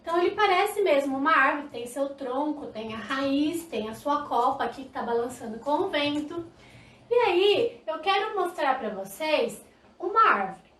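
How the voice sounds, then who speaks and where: A woman from Brazil teaching a live online sign language class, lively and demonstrative. Her voice is high. It is picked up a little off-mic in an echoey room. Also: normal speed, far from the mic. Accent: Brazilian Portuguese. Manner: lively, demonstrative, talks to viewers directly. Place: indoor room, live stream.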